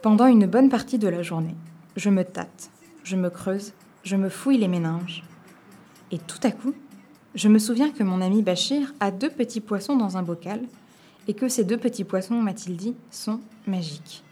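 A woman storyteller reading a children's tale aloud with lively expression. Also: medium pitch, normal speed, breathy edge.

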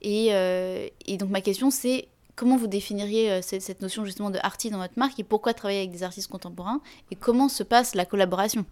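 A woman's voice: medium pitch, fast, darkish tone. A woman hosting a podcast interview, asking long, winding questions full of hesitations and fillers. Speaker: podcast host. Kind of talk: conversational interview.

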